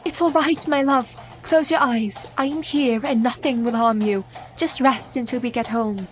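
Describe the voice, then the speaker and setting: An actress in a radio play playing a devoted, capable young wife who speaks in a polite, earnest and formal way. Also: female voice, fairly high pitch, moderate pace, close to an everyday voice.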